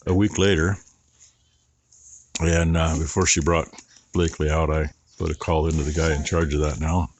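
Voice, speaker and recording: A man's voice: very deep voice, flat delivery, moderate pace, pauses often, no echo. A man who farms, talking casually and plainly in a folksy, rambling way while filming outdoors. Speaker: farmer vlogger. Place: outdoors on a farm near a barn.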